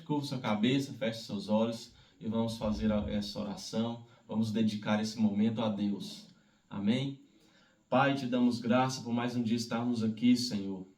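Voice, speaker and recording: A man's voice: mid-range voice, a little mellow. A man with a Brazilian Portuguese accent, leading a devotional and reading scripture aloud. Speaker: devotional Bible reader leading prayer. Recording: roomy, echoey, distant microphone.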